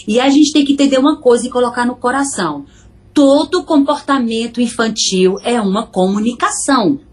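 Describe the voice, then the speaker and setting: A woman's voice: a little high, a little fast. A middle-aged woman from Pernambuco with a Northeastern Brazilian accent, explaining child behavior as an interview guest and acting out little scenes of parents and kids. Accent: Northeastern Brazilian Portuguese. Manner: animated, acts out parents and children in quoted dialogue. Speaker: psychologist guest.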